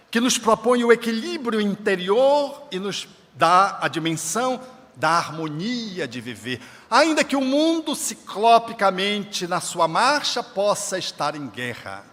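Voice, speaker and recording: This spiritist speaker has a high, somewhat bright voice that carries the sound of a big room. He is lecturing emphatically at an event in a large event hall, preaching and citing scripture.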